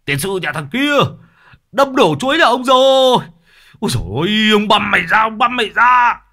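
A man voicing a hot-tempered old orchard owner, shouting threats. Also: on the high side, very animated, moderate pace, vocal fry, breathy edge, voice pushed up, exaggerated voice. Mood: raging. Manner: shouting, furious.

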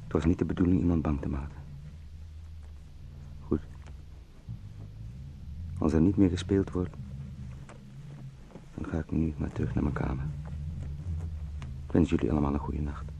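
An actor playing a weary, anguished man turned beetle in an intimate radio drama, speaking haltingly and broodingly. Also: rumbling low, steady tone, vocal fry, dark tone, muffled recording, a little hiss or hum. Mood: resigned, weary.

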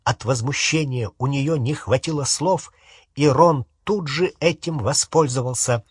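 Slow, husky male audiobook reader. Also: mid-range voice, no room sound, studio quality. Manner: unhurried, expressive reading. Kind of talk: audiobook narration.

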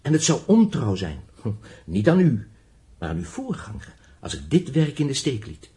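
Young male idealist, radio play: earnest, stubborn, fervent, very animated melody. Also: medium pitch, moderate pace. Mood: defiant, resolute. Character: earnest young blind inventor-teacher, stubborn, idealistic, lonely. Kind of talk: Dutch radio play acting.

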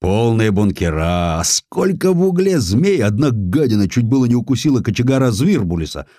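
A man voicing a hearty, excitable ship's engineer in an audiobook, exclamatory and animated. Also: mid-range voice, normal speed, dry recording, clean studio sound, pitched above the performer's own voice. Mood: excited.

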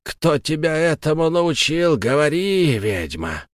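A man voicing a stern, vengeful male ghost who interrogates in a slow, menacing tone. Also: on the low side, very animated, no echo, clean studio sound, full character voice. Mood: interrogating.

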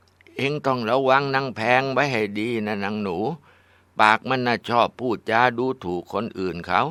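A man voicing a gentle, worried grandmother who speaks slowly and softly. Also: mid-range voice, clear, resonant tone, no room sound, pitched above the performer's own voice, lightly acted. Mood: worried warning. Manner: slow, soft-spoken. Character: frail old grandmother, gentle and warning.

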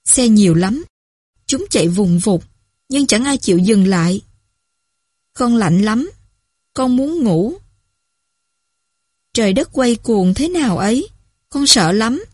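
A woman's voice: on the high side, expressive, slow pace, long pauses, a little mellow, husky, no room sound, clean studio sound, full character voice. A woman voicing a drunk, frightened teenage girl on the phone to her mother, slurring and stammering as she pleads. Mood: slurred, frightened.

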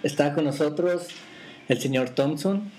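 A man with a Mexican Spanish accent hosting a casual podcast, relaxed and joking. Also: on the high side, a little slow, a little hiss or hum. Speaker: podcast host.

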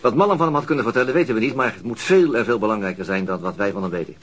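A man's voice: fairly low pitch, very fast, slightly rough. An actor playing a weary, wry police inspector and father in a radio drama, dry and mildly grumbling. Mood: businesslike. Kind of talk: naturalistic Dutch radio drama acting.

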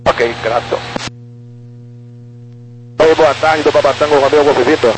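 A man's voice: a little high, fairly even intonation, unhurried. A man speaking as a pilot over the aircraft radio, giving brief, routine readbacks with call signs. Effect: pilot talking over the aircraft radio. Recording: noisy, distant radio transmission.

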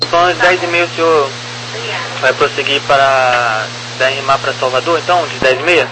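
A man's voice: mid-range voice, normal speed. A man working as an air traffic radio operator, talking in radio exchanges over a crackly channel. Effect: crackly aviation radio. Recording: noisy radio with engine-like background.

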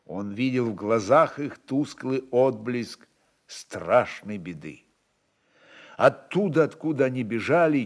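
A man narrating literary prose dramatically, in a brooding, deliberate manner with weighty pauses. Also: mid-range voice.

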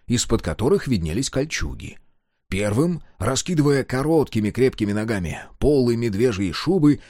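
A man's voice: mid-range voice, no room sound, clean studio sound. A man reading a folk-tale style novel aloud as scripted audiobook narration, also reading out footnotes. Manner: lively storytelling, reads out footnotes. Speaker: audiobook reader.

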